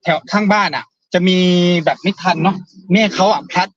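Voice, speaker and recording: A man chiming in quickly during a live news discussion about the flood. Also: high-pitched, slightly rough, no room sound, dull audio.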